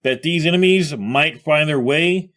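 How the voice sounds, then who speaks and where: A man gives casual gaming commentary, reading aloud and reacting as he thinks out loud. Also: fairly high pitch, unhurried.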